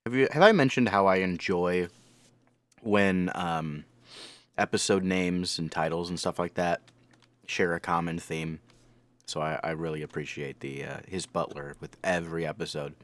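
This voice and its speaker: A man's voice: deep voice, moderate pace, fairly bright tone. A man giving casual, off-the-cuff reaction commentary, rambling and repeating words for emphasis. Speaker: anime reaction host and reviewer.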